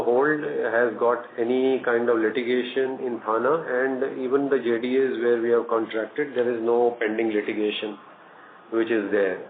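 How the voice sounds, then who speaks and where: Echoey phone-line Indian man, halting executive. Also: mid-range voice. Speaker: company executive. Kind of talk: answering questions on an earnings call. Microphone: conference phone call. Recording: echoey tinny conference phone line, noisy.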